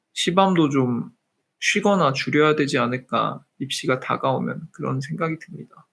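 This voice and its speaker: 편하게 수다 떠는 약간 높은 목소리의 30세 남자. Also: male voice, fairly high pitch, fairly bright tone. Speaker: live-stream host. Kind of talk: casual live-stream chat with viewers.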